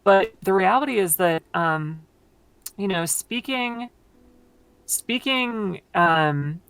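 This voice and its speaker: A woman with a very low voice, explaining at length in casual conversation with many fillers, her voice tired from long talking. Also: animated, takes it slowly, fairly bright tone, smooth, no echo, low-quality recording. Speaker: podcast guest.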